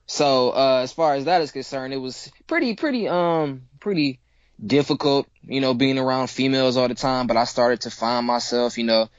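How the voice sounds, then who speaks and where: This twenty-something rapper from Cleveland, Ohio, chats casually as an interview guest, easygoing, slangy, and prone to repeating himself. He speaks at normal speed in a mid-range voice, recorded with no room sound and a muffled quality.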